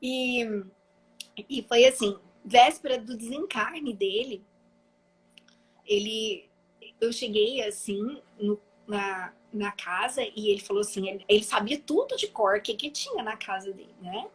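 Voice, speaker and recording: A woman from Brazil with a Minas Gerais accent, a guest on a live stream, telling stories in an animated way and often laughing. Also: on the high side, measured pace, slightly rough, poor audio. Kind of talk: storytelling in a live chat.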